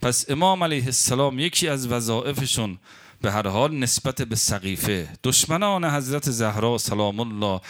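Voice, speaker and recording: A man, a cleric, preaching a sermon with animated delivery, sometimes mocking quoted opponents in a raised voice and dropping low and slow for Arabic prayers. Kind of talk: religious sermon.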